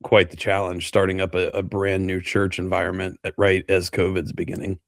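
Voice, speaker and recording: A man's voice: deep voice, monotone, a little fast, gravelly, no echo, studio quality. A man hosting a podcast interview, chatting in an easygoing way and asking open questions. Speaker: podcast host. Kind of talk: interview chat.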